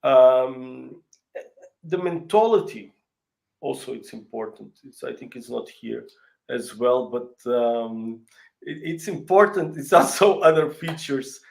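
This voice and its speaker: A native Portuguese speaker who heads a real estate company's operations in his country chats on a video call in a casual interview. Speaking with a Portuguese accent, he halts often to search for words, with frequent fillers and restarts. His mid-range voice is expressive and a little mellow, with some vocal fry.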